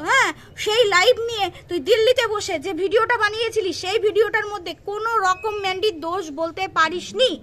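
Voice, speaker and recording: A woman's voice: very high-pitched, pushed and bright, slight background noise. A woman giving unscripted roast commentary, confrontational and scolding, repeating herself and firing rhetorical questions. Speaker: YouTube commentary creator.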